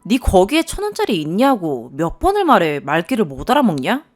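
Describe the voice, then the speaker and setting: A woman's voice: lowish voice, huge pitch swings, fairly quick, soft background music. A woman doing a hot-tempered, snapping husband. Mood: irritated. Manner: irritated, snapping and scolding.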